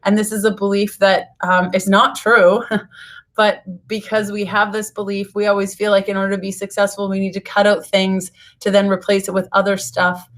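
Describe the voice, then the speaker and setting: A woman with a raspy, slightly hoarse voice recovering from losing it, chatting informally and directly to viewers as host of a casual livestream. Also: medium pitch. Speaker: nutrition author hosting a livestream. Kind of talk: casual live vlog chat to viewers. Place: hotel room.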